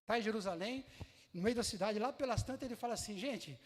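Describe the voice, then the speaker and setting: A man with a Brazilian Portuguese accent preaches a sermon through lively, colloquial storytelling, acting out the scenes. His voice is high and his pace quick, with echoey hall reverb around him.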